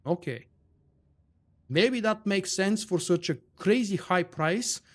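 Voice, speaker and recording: Bulgarian-accented male streamer, chatty, answers chat; voice a little high. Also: animated, slow. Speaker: game streamer. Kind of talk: casual live-stream chat.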